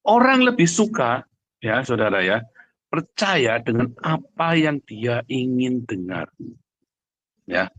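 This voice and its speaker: A man preaching in a conversational, emphatic way, repeating phrases for emphasis and addressing listeners directly, with a husky voice. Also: on the high side, fairly bright tone, no echo, dull audio. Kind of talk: livestream sermon, conversational and emphatic.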